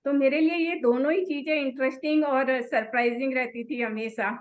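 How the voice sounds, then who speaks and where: A woman's voice: high-pitched, steady tone, moderate pace. A woman, a student and co-presenter, earnestly speaking of what she learned from her teacher. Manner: earnest, grateful. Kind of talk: spoken tribute to a teacher.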